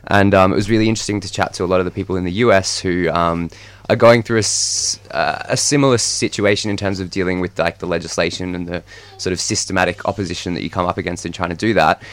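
A young Australian man with a low voice speaks as a guest in an informal radio interview. He explains tentatively and wanders through his points. The sound is close, with hardly any room echo. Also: steady tone, fast, hardly any pauses, fairly bright tone. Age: young adult. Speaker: interview guest, student group representative. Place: radio studio.

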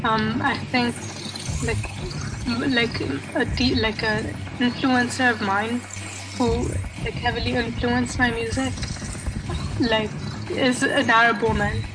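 A woman musician answering interview questions haltingly, with many fillers and restarts. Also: fairly high pitch, flat delivery, noisy background. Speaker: musician guest. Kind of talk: casual interview. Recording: music playing behind.

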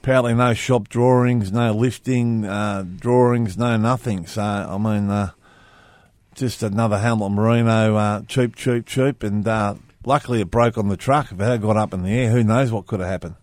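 A man's voice: fairly low pitch, fairly even intonation, normal speed, darkish tone, dry recording. A man co-hosting a casual podcast, rambling with crude asides. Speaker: podcast co-host. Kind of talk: casual chat.

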